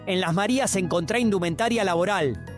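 An Argentine speaker reads a radio commercial in a clear, direct selling voice. The pitch sits in the middle range, with music playing underneath. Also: brisk. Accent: Argentine Spanish. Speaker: commercial voice-over. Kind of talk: scripted radio ad.

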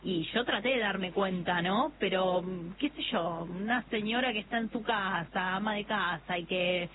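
A chatty woman hosting a radio interview. She agrees readily and sometimes hunts for the next word. Her voice sits at a middle pitch and sounds thin and phone-like, with clear noise behind it. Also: normal speed. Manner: chatty, agreeing, searches for words. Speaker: radio host.

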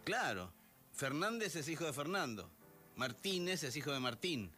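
Man, Rioplatense accent, radio co-host, wry storyteller, bright tone. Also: fairly high pitch, big pitch swings, moderate pace, soft background music. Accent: Rioplatense Spanish. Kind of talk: casual radio chat.

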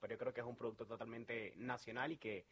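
A man's voice: mid-range voice, little pitch movement, fast talker, fairly bright tone, breathy edge. A man from Venezuela with a Venezuelan accent, talking earnestly as a sales manager in an interview, with many fillers and restarts.

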